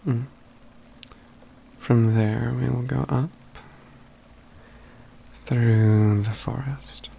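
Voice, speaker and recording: A man playing a calm, courtly mage companion in a soft-spoken ASMR fantasy roleplay, with measured, halting phrases that often drop to a whisper. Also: medium pitch, vocal fry, a little hiss or hum. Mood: calm, deliberate.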